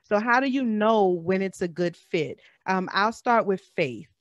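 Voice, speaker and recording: A chatty woman hosts a relaxed panel chat over a video call. She talks informally and speaks to her guests as friends. Her voice sits at a middle pitch, and the sound is dry and close with no room echo. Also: unhurried, lo-fi sound. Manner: chatty, calls listeners "girl" and "y'all". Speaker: panel host. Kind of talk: casual panel discussion.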